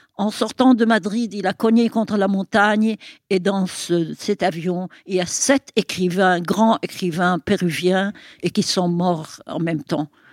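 On a very clean recording with a silent background and a dry, close sound with no echo, a woman speaks at a very slow pace in a medium pitch with ordinary pitch variation. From Lebanon. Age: 80s+. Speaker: novelist and poet. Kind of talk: interview.

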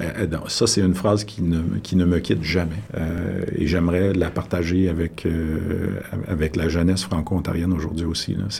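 A man's very deep, low voice, monotone and flat, at a moderate pace, with noticeable background noise and audible room echo. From northeastern Ontario, Canada (near Kapuskasing). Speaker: university rector. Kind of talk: interview. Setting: studio.

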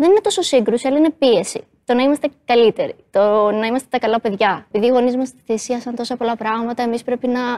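Her high-pitched voice has a dark, mellow tone and ordinary pitch variation, and this woman speaks at a fairly quick pace in a dry, close sound with no echo. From Greece. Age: 20s. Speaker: panel discussion participant. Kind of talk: panel discussion.

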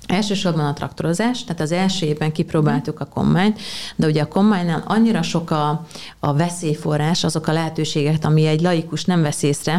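Amid noticeable background noise, a woman talks at a fairly quick pace in a very deep, low pitch, with fairly even intonation and very even loudness. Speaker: farmer and agricultural blogger. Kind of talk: interview.

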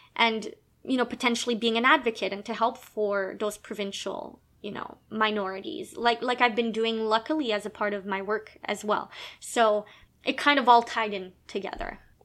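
A woman's plain, everyday voice, fairly high in pitch, at a moderate pace with ordinary pitch variation, on a very clean recording with a silent background. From Quebec, Canada. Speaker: law student podcast co-host. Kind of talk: casual chat.

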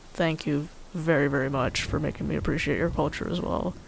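A woman talks at a moderate pace. Her voice carries vocal fry. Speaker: media producer and campus radio volunteer. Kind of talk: casual interview chat.

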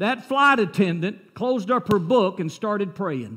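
A man's raised, projected voice, high-pitched, bright and sharp in tone, with lively intonation at a moderate pace. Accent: Southern US. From South Texas. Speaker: pastor. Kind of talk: sermon. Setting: church. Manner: casual, storytelling.

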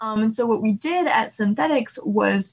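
Here a woman talks fairly slowly. There is a somewhat breathy quality to her voice. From France. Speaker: startup founder. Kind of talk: interview. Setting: video call.

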